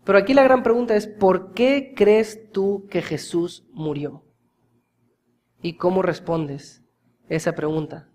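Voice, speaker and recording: A man preaching a sermon as pastor, talking straight to his congregation and swinging from hushed, slow words to loud, urgent emphasis. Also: high-pitched, steady tone. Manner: addresses the congregation directly as brothers.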